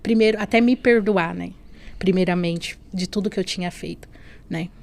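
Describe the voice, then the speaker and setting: A woman's voice: lowish voice, normal speed, vocal fry, a little mellow. A woman from Brazil telling her personal faith testimony as a podcast guest, earnest and emotional, often adding "né?". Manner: earnest, often adds "né?" and "assim".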